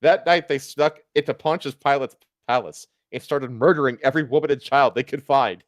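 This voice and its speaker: A man's voice: medium pitch, fairly quick, no room sound, studio quality. A man streaming a live comedic reading of fan fiction in an amused storyteller's delivery.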